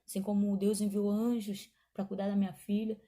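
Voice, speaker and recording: A woman's voice: mid-range voice, flat delivery, a little fast, dark tone. A woman pastor giving an emotional testimony in a sermon, talking straight to the congregation. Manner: emotional storytelling, addresses congregation as brothers.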